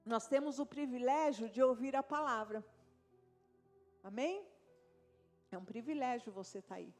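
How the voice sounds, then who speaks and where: A woman's voice: on the high side, measured pace, darkish tone, faint music behind. Brazilian woman pastor, chatty sermon. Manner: conversational preaching, tag questions and asides to the congregation. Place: church service.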